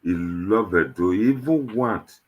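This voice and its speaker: Deep husky Nigerian man speaking Pidgin. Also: lively intonation, measured pace. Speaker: host of an online diaspora panel show. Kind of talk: casual show introduction to viewers.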